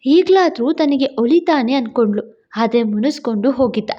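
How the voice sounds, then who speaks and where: A woman reads a romance story aloud in steady, expressive scripted narration. Her voice is high, and the recording sounds dull and lo-fi. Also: moderate pace.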